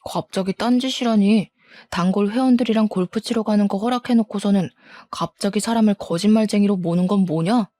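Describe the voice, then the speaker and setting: A woman's voice: mid-range voice, brisk, warm tone, dry recording, studio quality, close to an everyday voice. A woman reading a scornful cheating husband. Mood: defensive, scornful. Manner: blustering, blame-shifting. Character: cheating middle-aged husband, defensive and scornful.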